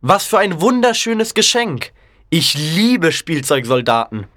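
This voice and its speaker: A man's voice: a little high, very animated, unhurried, fairly bright tone, dry recording, studio quality, voice pushed up. A man voicing a cheeky young boy who boasts and teases in a bossy way. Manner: bossy, mocking.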